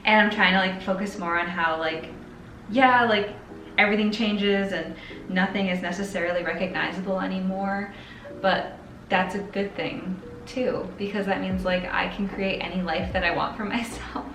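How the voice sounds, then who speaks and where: A woman's voice: medium pitch, steady tone, moderate pace, a bit bright, slight background noise. A woman in her twenties chatting casually in a bubbly, playful, hyperbolic way as a sewing vlogger. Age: 20s. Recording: roomy echo, music behind. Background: music.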